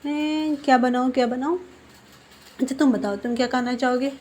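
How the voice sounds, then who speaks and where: A woman voicing a gentle, apologetic young man who pleads and protests in a fan-fiction story. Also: sits high, fairly even intonation, moderate pace, slight background noise, lightly acted. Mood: coaxing.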